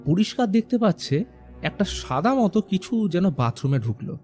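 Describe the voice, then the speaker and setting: A man narrating a horror film recap in a hushed, suspenseful storytelling manner. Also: sits high, very animated, normal speed. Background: faint background music.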